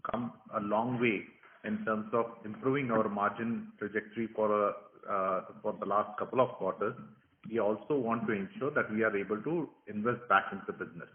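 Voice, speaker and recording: A man speaking as a company executive, answering questions on an earnings call, halting and repeating words as he goes. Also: lowish voice. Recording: echoey, tinny phone conference line.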